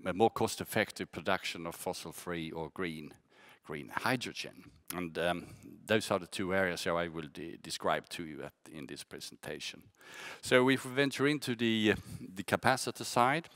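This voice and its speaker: Deep-voiced Swedish man with a Skåne accent. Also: fairly bright tone, dry recording, studio quality. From Sweden. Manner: measured, with frequent restarts and repeated words. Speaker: company presenter. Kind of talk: conference presentation.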